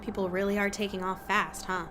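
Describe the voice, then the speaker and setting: An actress playing a stubborn, defiant young woman with an insistent, sharp-tongued manner in an audio drama. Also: mid-range voice, level tone, fairly quick, lightly acted. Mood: brisk, teasing. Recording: clear background noise.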